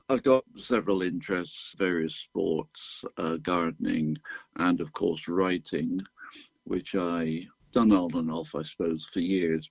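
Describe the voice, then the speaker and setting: An older man with a British accent, a retired physician chatting as a radio guest in an unhurried, self-deprecating way with dry humor. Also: low voice, gravelly, husky, no echo, muffled recording. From United Kingdom. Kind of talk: relaxed radio interview chat.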